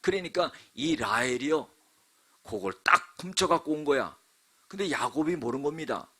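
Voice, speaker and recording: A man's voice: on the high side, lively intonation, normal speed, fairly bright tone, slightly rough. A male pastor preaching a sermon, telling the story dramatically with frequent asides to the congregation. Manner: dramatic storytelling, acts out quotes.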